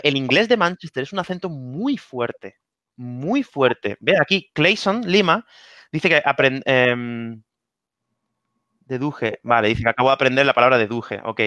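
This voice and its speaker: A man with a Spanish accent from Spain talks through language-learning advice in a relaxed interview. He is animated and repeats key phrases, checking in with "¿vale?". His voice is bright and forceful, recorded dry and close. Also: medium pitch, no room sound. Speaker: guest giving language-learning tips. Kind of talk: casual online interview.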